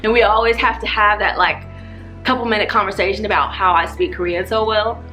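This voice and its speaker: A woman vlogger who is a native English speaker, telling stories casually in an animated, slangy way and acting out dialogue. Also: mid-range voice, a little fast, faint music behind, poor audio. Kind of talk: casual chat to camera, storytelling.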